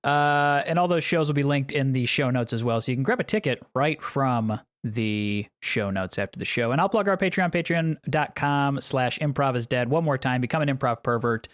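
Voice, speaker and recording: A man's voice: mid-range voice, dry recording. Easygoing male podcast host, dry sound. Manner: easygoing, plugs things briskly. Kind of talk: casual chat.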